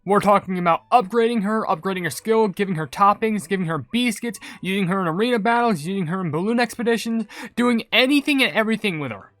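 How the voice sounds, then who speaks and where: A man giving excited, casual game commentary in a rambling, emphatic way as a video creator. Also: high voice, quick pace, hardly any pauses, no echo.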